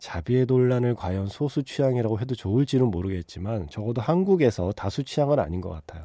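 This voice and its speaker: Very fast speech from a man at medium pitch, dark, mellow in tone, with very wide pitch swings, on a very clean recording with a silent background. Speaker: radio host. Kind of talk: radio music show talk. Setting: radio studio.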